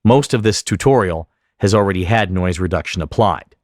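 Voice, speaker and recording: A man narrating a software tutorial as an instructor, explaining each step methodically. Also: low-pitched, normal speed, dry recording, clean studio sound. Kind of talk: instructional screen-recording narration.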